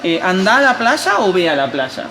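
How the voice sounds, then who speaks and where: A woman's voice: on the low side, big pitch swings, moderate pace. A woman, casually interviewing and prompting outdoors. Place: outdoors by the coast. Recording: outdoor noise.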